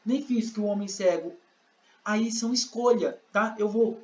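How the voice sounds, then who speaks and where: A man's voice: high voice, measured pace, a little mellow. A man with a Brazilian Portuguese accent giving a classroom lesson, explaining with examples and acting out scenes. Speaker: sign language interpreting teacher. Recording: roomy, dull lo-fi sound.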